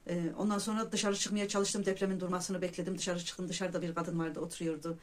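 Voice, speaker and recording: A woman's voice: fairly low pitch, flat delivery, fairly quick. Earnest woman vlogger telling her dreams. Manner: earnest, often addresses listeners as friends; reflective storytelling with pious phrases. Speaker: vlogger sharing dreams and religious reflections. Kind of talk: casual personal monologue to viewers.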